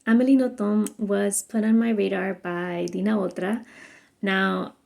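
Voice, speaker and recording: A woman's voice: medium pitch, flat delivery, unhurried, creaky, darkish tone. A young adult woman from Mexico, a native Spanish speaker, chatting casually and effusively to camera with many fillers and restarts. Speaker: book vlogger.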